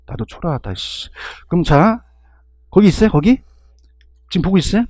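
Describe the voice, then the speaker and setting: A man with a husky voice giving an exam-review lecture, constantly firing rhetorical questions and checking in with his students. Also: high voice, expressive, moderate pace, darkish tone, dry recording, studio quality.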